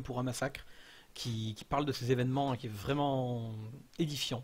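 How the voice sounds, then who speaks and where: Somewhat breathy, a man speaks at a medium pitch and a moderate pace. His intonation stays fairly even. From France, Corrèze (Tulle); France. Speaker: gaming video creator. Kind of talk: game tutorial and commentary. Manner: hesitant, many fillers. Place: home room. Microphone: headset.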